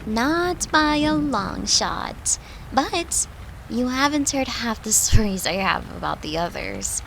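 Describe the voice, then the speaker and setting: A woman playing a gentle, devoted girlfriend who soothes her lover in an intimate comfort roleplay, speaking tenderly and reassuringly in a soft, hushed voice. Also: fairly high pitch, very animated, slow pace, gravelly, a little hiss or hum, exaggerated voice, rough recording. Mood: fond, reassuring.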